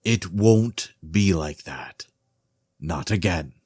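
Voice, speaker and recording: A man playing an earnest, weary king in a fantasy audio drama, speaking in a solemn, measured, formal way. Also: low voice, expressive, a little mellow, slightly rough, no room sound, studio quality, heavily acted. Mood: reassuring. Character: earnest, weary king, devoted husband and loyal friend.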